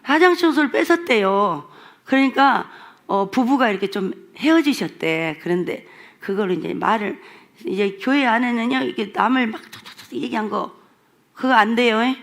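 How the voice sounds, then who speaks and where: A woman's voice: a little high, lively intonation, normal speed. A woman pastor with a Jeolla accent preaching a revival sermon in an emphatic, repetitive, scolding manner. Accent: Jeolla Korean.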